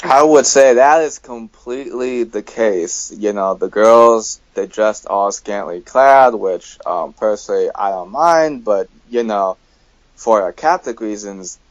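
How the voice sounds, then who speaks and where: A man's voice: on the low side, lively intonation, a little slow, dry recording. A man from the United States, a guest in a casual conversation, who talks hesitantly with many fillers and gives blunt opinions. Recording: dull, dry lo-fi sound.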